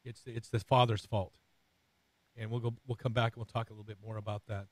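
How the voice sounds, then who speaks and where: Man, middle-aged, radio host, raspy, hoarse, earnest rambling, dry close sound. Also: fairly low pitch, level tone, quick pace, dry recording. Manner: earnest, rambling with many fillers and restarts.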